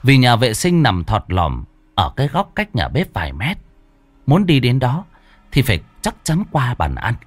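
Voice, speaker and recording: A man's voice: medium pitch, huge pitch swings, moderate pace, dry recording. A man narrating a ghost story in a dramatic, suspenseful way.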